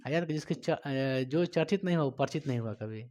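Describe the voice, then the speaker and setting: A male teacher with a Bihari Hindi accent, giving a classroom lecture, quizzing his students and scolding them, loud one moment and quiet the next. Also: fairly high pitch, lively intonation, brisk. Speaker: coaching teacher.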